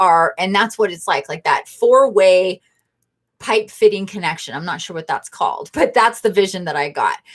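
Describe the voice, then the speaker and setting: With a plain, everyday voice, a woman speaks at a medium pitch and moderate pace with lively intonation in a very clean recording with a silent background. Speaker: psychic tarot reader. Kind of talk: live stream talk on chakras. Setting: live stream. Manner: casual with fillers and repetitions.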